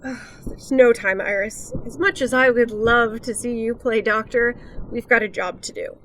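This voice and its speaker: Actress playing cocky teasing spy girl, highish voice, loves the thrill, bit noisy audio drama. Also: steady tone, normal speed, a bit bright, lightly acted. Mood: pained but joking. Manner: teasing, breezy, brash. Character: cocky, playful, thrill-loving female wartime spy.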